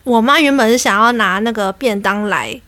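A young adult woman tells a story on her podcast in an animated, exasperated way. Her voice is high. The recording is dry and close. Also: normal speed, dry recording. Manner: animated, exasperated, quotes people. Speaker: podcast host. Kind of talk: casual storytelling.

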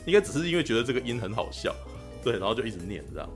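A man rattles along at a quick clip in casual podcast chat. His pitch swings widely as he spins his stories, and he keeps checking in with his listeners. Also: faint music behind. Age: 40s. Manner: animated storyteller, keeps asking "you know?". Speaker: podcast co-host.

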